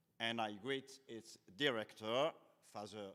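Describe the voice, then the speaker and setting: Very slowly, a man talks in a French accent with a bright, sharp tone. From France. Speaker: university dean introducing a lecture. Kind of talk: formal lecture introduction. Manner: formal.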